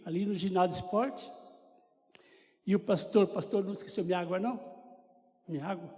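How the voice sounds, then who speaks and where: Speaking to a congregation in a church sanctuary, an older man with a Brazilian Portuguese accent delivers a chatty testimony sprinkled with jokes. His voice sits high with a dark tone, and the sound carries a long church reverb.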